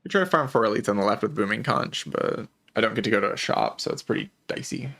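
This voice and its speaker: A man livestreaming a game and chatting casually, with heavy vocal fry, a low-energy hesitant delivery and a voice strained by a lingering cough. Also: fast talker, a bit bright. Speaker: game streamer. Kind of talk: casual livestream chat while playing a game.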